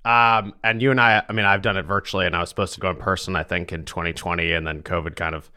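Casual male interviewer, lowish voice. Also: fairly even intonation, quick pace, pushed and bright, clear, resonant tone. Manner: informal, conversational. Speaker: interviewer, host. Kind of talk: casual chat.

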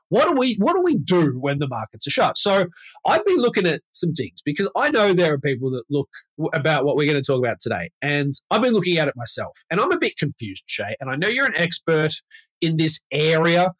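A man's voice: a little high, a bit bright, breathy edge, no echo. Nasal Australian man with a cold. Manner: chatty, rambling, with many restarts. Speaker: podcast host. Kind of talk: casual conversational podcast chat.

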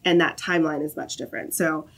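A woman's voice: low-pitched, steady tone, quick pace, fairly bright tone. A woman from the Southern US, a guest on a podcast interview, explaining her work fluently and often checking in with "right?". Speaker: guest, marketing lead.

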